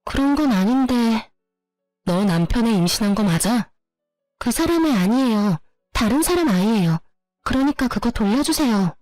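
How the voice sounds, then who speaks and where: A woman's voice: a little high, lively intonation, normal speed, a little mellow, no room sound, soft background music, close to an everyday voice. Woman putting on a meek, evasive young mistress. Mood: defensive.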